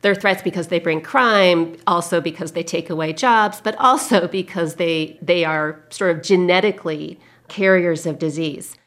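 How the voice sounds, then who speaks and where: An American woman, a historian being interviewed, answering thoughtfully with measured, deliberate, halting phrasing. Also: on the low side, fairly bright tone.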